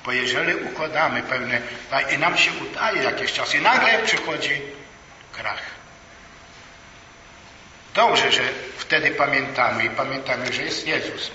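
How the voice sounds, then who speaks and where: A man delivers a sermon at an unhurried, weighty pace, his tone bright and slightly raised. He is heard from a distance in a large echoing church hall, the recording a bit dull with faint room noise behind. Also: medium pitch, animated. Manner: slow, emphatic preaching with rising and falling emphasis. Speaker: preacher. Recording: echoey hall, voice from far off.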